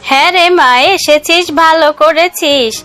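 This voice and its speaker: Lady doing an old granny fox from a cartoon, high voice, slow n doting. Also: a bit bright, faint music behind. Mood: fond. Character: kindly, doting elderly grandmother fox. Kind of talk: children's cartoon dubbing.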